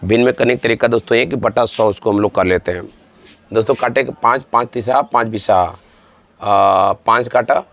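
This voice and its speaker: A man's voice: medium pitch, normal speed, fairly bright tone. A man in his forties teaching exam-prep math, talking students through each step, repeating himself and calling them friends and dear ones. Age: 40s.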